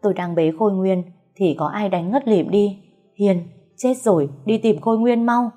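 A woman's voice: medium pitch, moderate pace, warm tone, soft background music, close to an everyday voice. Woman voicing a frantic older nursemaid. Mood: panicked. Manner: panicked, breathless urgency.

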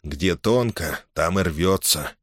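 A man's voice: low-pitched, expressive, slow pace, no room sound, clean studio sound, exaggerated voice. A man voicing a young peasant who ruefully laments his family's bad luck.

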